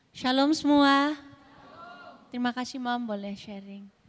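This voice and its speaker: A woman with a slight non-native accent talks at a high pitch with fairly even intonation, in a dry, close sound with no echo. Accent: slightly non-native Indonesian. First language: Dutch (speaking Indonesian). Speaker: pastor's daughter. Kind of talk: testimony.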